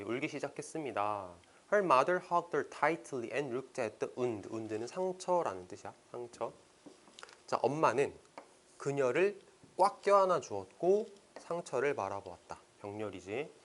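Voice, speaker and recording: A man teaching an English exam passage, reading sentences slowly and explaining them line by line in casual speech. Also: mid-range voice.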